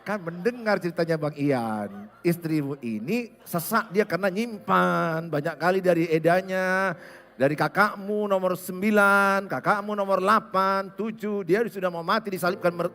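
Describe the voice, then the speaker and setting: High, bright-voiced man preaching. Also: unhurried. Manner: animated, acts out scenes, speaks to the listener directly. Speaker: pastor. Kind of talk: sermon. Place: church.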